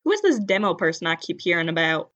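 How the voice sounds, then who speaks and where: A woman's voice: lowish voice, sing-song, fast, a bit bright. A woman acting a puzzled, anxious young woman in an audio drama. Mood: confused. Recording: slightly dull microphone.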